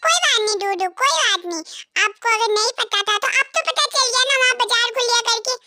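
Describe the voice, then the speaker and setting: Pouty cartoon bear wife, a woman doing it: very high, bright and whiny. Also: a little fast, no echo, full character voice. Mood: coaxing. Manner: whiny, pouting, complaining. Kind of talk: storybook character voice.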